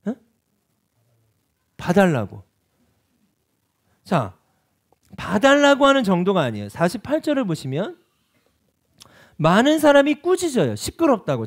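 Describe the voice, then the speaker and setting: Animated high-pitched Korean pastor preaching. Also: male voice. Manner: animated preaching with rhetorical questions to the congregation. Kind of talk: sermon. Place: church.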